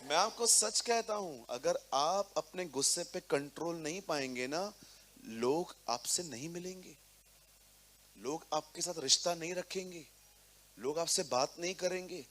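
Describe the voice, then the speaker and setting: A man preaches to a gathered congregation, animated and acting out small scenes as he goes. His voice sits a little high for a man, and he drops English words into his talk. He speaks into a microphone in a church hall. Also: a little slow. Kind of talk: sermon. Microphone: handheld microphone.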